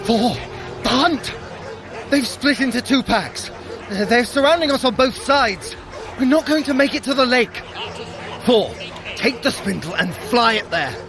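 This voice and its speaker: An actor playing a sly, vain trickster god in an audio drama, sardonic and theatrical, sharp-tongued with a fretful edge. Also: male voice, extremely high pitch, expressive, measured pace, pauses often, over music, a crowd in the background, full character voice, low-quality recording. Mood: urgent, alarmed. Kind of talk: audio drama acting, addressing the listener.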